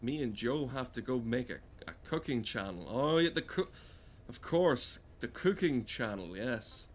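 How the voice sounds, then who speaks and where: A man giving rambling, sweary comedic game commentary in a halting, deadpan way. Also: mid-range voice. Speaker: gameplay streamer.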